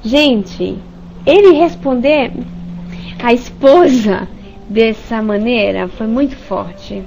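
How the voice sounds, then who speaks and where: A woman's voice: a little high, slow, vocal fry, lo-fi sound, a little hiss or hum. A woman leading an informal religious study over an online voice chat, talking conversationally and often checking in with her listeners. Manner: warm conversational, frequent rhetorical "né?" checks. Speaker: spiritist study leader. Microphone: computer mic over online voice chat.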